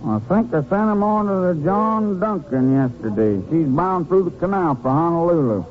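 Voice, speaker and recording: Wry waterfront dispatcher played by a man, fairly high voice, laconic, offhand, muffled old radio drama. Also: lively intonation, moderate pace, natural voice. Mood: businesslike. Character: cagey, wry waterfront hiring-hall dispatcher. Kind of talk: 1950s radio drama acting. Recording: muffled, noisy 1950s radio recording.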